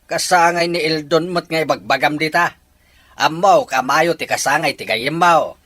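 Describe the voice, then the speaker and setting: A man playing a stern, suspicious middle-aged father in an audio drama, with a husky voice and a gruff, questioning manner. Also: on the high side, moderate pace, fairly bright tone, dry recording. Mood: suspicious, scolding. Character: stern, suspicious father interrogating his grown child.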